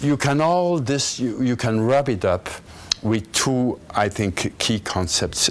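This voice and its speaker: A man speaks with a Flemish accent at a fairly slow pace. His intonation is lively. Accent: Belgian Dutch (Flemish) accent in English. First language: Dutch. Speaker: ambassador lecturing on diplomacy. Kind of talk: lecture. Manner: halting, with repetitions.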